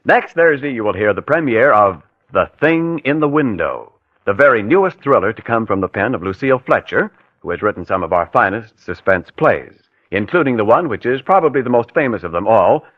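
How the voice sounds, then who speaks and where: A male announcer giving formal program credits on a 1940s radio show with a lively, rising delivery. The sound is close and dry. The old broadcast is muffled and thin. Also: medium pitch, a little fast, no room sound.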